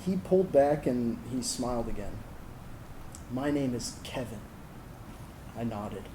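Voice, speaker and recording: A man's voice: medium pitch, expressive, a little slow, noisy background, natural voice. A man performing a young gay man's tender, earnest monologue in a staged reading. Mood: tender, excited.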